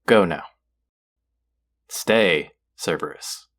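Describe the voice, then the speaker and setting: An actor playing a stern, haughty god of the underworld in an audio roleplay, speaking formally with an exasperated, grudging manner. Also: male voice, low-pitched, extremely slow, fairly bright tone, heavily acted. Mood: stern, dismissive. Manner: imperious, exasperated, formal speech with sighs. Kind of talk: scripted character audio roleplay.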